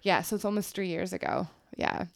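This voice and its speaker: A woman's voice: mid-range voice, fairly even intonation, fairly quick, dry recording, studio quality. A woman, co-hosting a casual podcast chat and telling long neighborhood stories peppered with "like" and the odd swear. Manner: chatty storyteller, heavy use of "like", swears casually. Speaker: podcast co-host. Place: apartment in Brooklyn.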